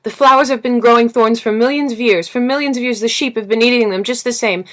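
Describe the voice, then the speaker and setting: A woman's voice: on the high side, fast talker, a bit bright, pitched above the performer's own voice, close to an everyday voice. A woman voicing an earnest, passionate little boy prince in a storybook reading, speaking insistently and emphatically. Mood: furious, insistent. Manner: insistent, emphatic, rhetorical questioning. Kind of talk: storybook character voice in audiobook reading.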